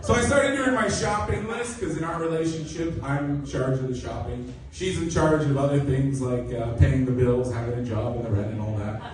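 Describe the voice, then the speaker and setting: A young man from Canada doing a self-mocking, deadpan stand-up set in a comedy club, with lots of "you know". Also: medium pitch, moderate pace, hardly any pauses, crowd noise. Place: comedy club stage, live audience. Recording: echoey club recording from a distance. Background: audience laughter.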